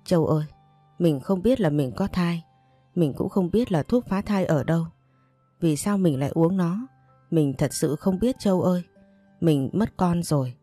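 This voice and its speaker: A woman's voice: lowish voice, animated, moderate pace, mellow, no room sound, soft background music. A woman reading an audiobook and voicing a heartbroken young wife, choked and self-blaming. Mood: grieving.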